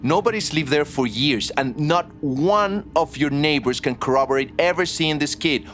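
An actor playing a stern police detective who questions firmly and measuredly, then turns accusing. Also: male voice, on the high side, moderate pace, fairly bright tone, soft background music, natural voice. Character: stern hard-pressing male detective.

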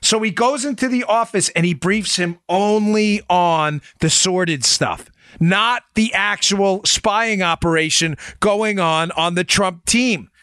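A man's voice: high voice, measured pace, bright, forceful tone, clean tone, no room sound, studio quality. A man hosting a political talk show in an emphatic, insistent monologue, firing rhetorical questions at his listeners.

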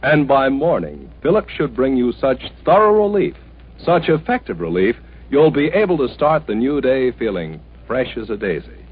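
Chipper 1950s American radio ad man, lively pitch. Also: moderate pace, slightly rough. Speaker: radio announcer. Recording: muffled old radio broadcast, faint music.

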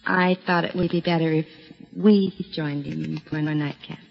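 An actress playing an earnest secretary and sidekick who stammers slightly, in 1940s radio drama style. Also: female voice, sits low, fairly even intonation, moderate pace, creaky. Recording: dull lo-fi old radio recording.

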